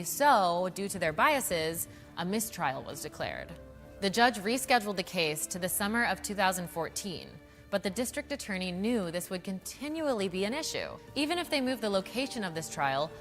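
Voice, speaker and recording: A woman hosts and narrates a scripted true crime documentary, speaking conversationally and throwing in emphatic asides. Her voice is lowish and a bit bright, set in a big-room sound with background music.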